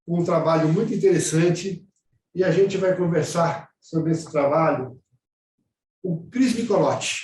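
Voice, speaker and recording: A man's voice: fairly high pitch, measured pace, darkish tone, distant mic, slight background noise. A man hosting an online interview show, chatty, with rambling questions full of restarts, recorded in an echoey room away from the mic.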